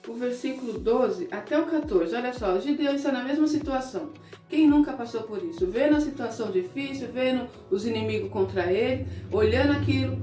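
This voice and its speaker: A woman's voice: a little high, a little mellow, reverberant, far from the mic. A woman preaching a devotional sermon, earnest and full of rhetorical questions.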